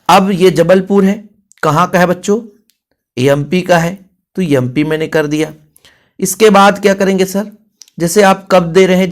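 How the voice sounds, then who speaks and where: A man teaching a coaching class, explaining step by step, repeating phrases and checking in with students. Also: fairly high pitch. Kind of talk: classroom lesson explanation, Hindi mixed with English terms.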